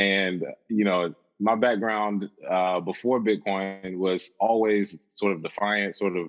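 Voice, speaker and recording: A man with an American accent, a plain, everyday voice, fairly low pitch and fairly even intonation, against a quiet background. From North Carolina, Charlotte. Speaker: author and bitcoin educator. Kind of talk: interview.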